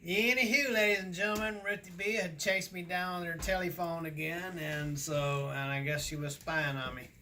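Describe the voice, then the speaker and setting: A man's voice: high-pitched, level tone, moderate pace, hardly any pauses, pushed and bright, slight background noise. An American man in his sixties, a trucker chatting casually in a folksy, rambling way. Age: 60s. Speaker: owner-operator trucker and vlogger. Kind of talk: casual chat on a phone call and to camera.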